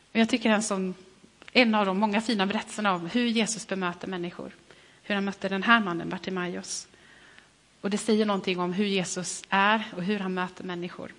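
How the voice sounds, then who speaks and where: A woman giving a sermon in a gentle, reflective manner, often restarting her phrases. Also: medium pitch, big-room sound. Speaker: preacher.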